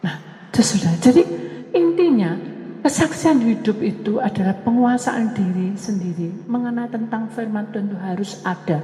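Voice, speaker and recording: A woman's voice: fairly high pitch, mellow, echoey room, in a large hall. A woman pastor preaching a sermon, telling stories animatedly and addressing the congregation directly.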